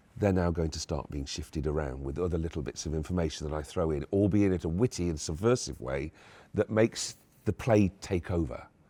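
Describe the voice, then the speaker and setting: In a very clean recording with a silent background and a dry, close sound with no echo, a man with a very deep, low, dark and mellow voice and some vocal fry talks at a fairly quick pace with lively intonation. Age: 60s. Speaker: actor. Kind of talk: casual chat.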